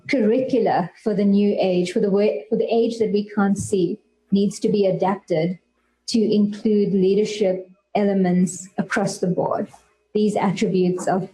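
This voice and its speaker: Woman, soft-edged mellow tone, mid-range pitch, thoughtful panel speaker, deliberate phrasing, unscripted remarks. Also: low-quality recording. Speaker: panelist at a public discussion.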